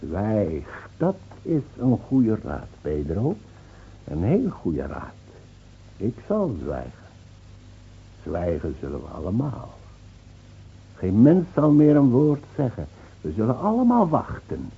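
A man's voice: on the low side, big pitch swings, slow, creaky, pauses often, heavily acted. A man acting a bitter, mocking villager in a theatrical radio drama, sardonic and swelling with emphasis. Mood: bitter mockery. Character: bitter, mocking villager taunting others about hell and rain. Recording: muffled, noisy old radio play recording.

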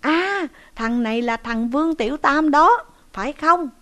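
A shrewd village headman of an old tale, stern and commanding, who can turn to sharp scolding, as a woman narrator plays him. The voice sits a little high for a man, read in a storybook manner. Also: animated, moderate pace, lightly acted. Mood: explaining.

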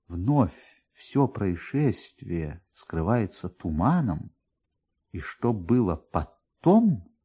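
A man reading a satirical literary story for radio in a theatrical, expressive way, with pointed pauses and emphasis. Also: sits low, slightly rough, muffled recording. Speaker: narrator, actor reading a classic satirical story. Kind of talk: dramatic literary narration for radio.

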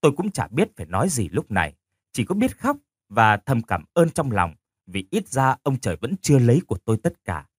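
A man with a husky voice narrating a first-person audio story in an expressive, emotional manner. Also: medium pitch, fairly quick, no echo, studio quality. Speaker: story reader.

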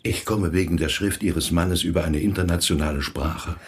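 A man's voice: low voice, moderate pace, slightly rough. A man playing a condescending German Catholic priest in a radio play, lecturing and scheming. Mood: persuasive. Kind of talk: radio drama acting.

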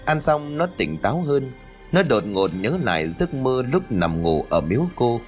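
A man narrating a spooky family story in an expressive, dramatic storytelling style. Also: mid-range voice, unhurried. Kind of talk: scripted narration. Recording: faint background music.

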